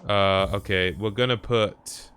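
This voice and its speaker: A man's voice: fairly low pitch, steady tone, a little slow, a bit bright, clear, resonant tone. A man streaming a game with casual commentary, thinking aloud in mild slangy exclamations. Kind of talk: casual let's play commentary.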